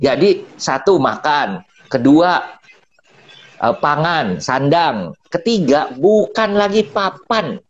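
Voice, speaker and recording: A man's voice: a little high, takes it slowly, muffled recording. A middle-aged man giving a casual motivational business talk, acting out quotes and laughing often. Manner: animated storyteller, acts out quotes, laughs often. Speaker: business speaker on a live stream. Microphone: phone mic.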